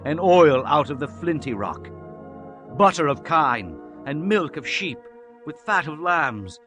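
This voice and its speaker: Casting: male actor as aged Hebrew prophet, fairly high-pitched, stern, fervent, oratorical delivery for dramatized scripture, music underneath. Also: big pitch swings, measured pace, fairly bright tone. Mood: solemn, exalted. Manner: solemn, declamatory, oratorical.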